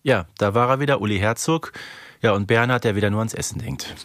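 A man's voice: on the low side, fast, fairly bright tone, dry recording, clean studio sound. A man co-hosting a podcast with casual, wry, playfully exaggerated humorous commentary. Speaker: podcast co-host.

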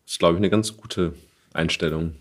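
A man's voice: low voice, normal speed. A man hosting a podcast in a casual, intimate interview style, phrasing his thoughts reflectively and tentatively.

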